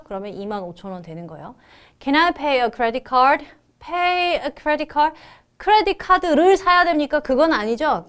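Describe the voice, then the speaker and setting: A woman giving an exam prep lecture as an English teacher, reading English lines slowly, then translating and explaining in a chatty way with rhetorical questions. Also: a little high.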